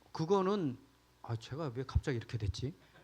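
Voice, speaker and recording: The man's pitch swings very widely. His voice is somewhat breathy. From South Korea. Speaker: missionary preacher. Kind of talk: sermon. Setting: church. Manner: conversational, humorous asides to congregation.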